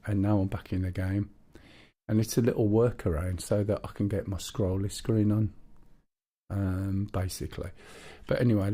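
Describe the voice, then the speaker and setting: A man's voice: fairly low pitch, mellow, husky. A man with a Black Country accent chatting casually while live-streaming a flight game and reading viewer chat aloud.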